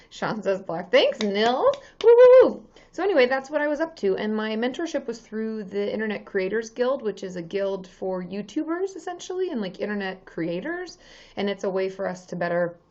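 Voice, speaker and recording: A woman in her thirties with a slightly hoarse voice, a therapist chatting casually on a live stream, greeting viewers by name with many ums. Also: mid-range voice, sing-song, moderate pace, darkish tone, lo-fi sound.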